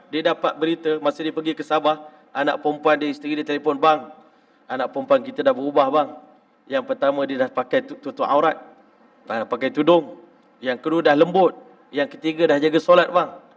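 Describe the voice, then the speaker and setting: Malaysian Malay male preacher, slightly high voice, storytelling sermon, dull lo-fi sound. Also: brisk. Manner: addresses audience repeatedly, acts out dialogue, rising emphatic peaks. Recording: dull lo-fi recording.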